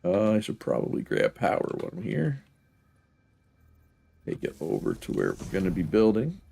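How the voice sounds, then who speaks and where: Gravelly low-voiced man, stuffed up. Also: wildly swooping pitch, moderate pace, mellow, slight background noise. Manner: thinking aloud, chuckling, self-correcting. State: stuffed up nose. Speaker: streamer playing a factory-building game. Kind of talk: casual gameplay commentary.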